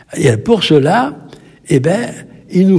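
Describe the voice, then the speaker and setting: A man talks at a very slow pace with a high pitch and lively intonation. Noticeable background noise runs behind him. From Algeria. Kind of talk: radio interview.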